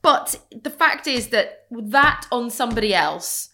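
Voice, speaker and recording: A woman's voice: a little high, lively intonation, unhurried, creaky, pushed and bright. A middle-aged woman co-hosting a podcast, chatty and rambling, a bit stuffed up with a cold. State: bunged up with a cold. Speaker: podcast co-host. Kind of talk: casual kitchen chat.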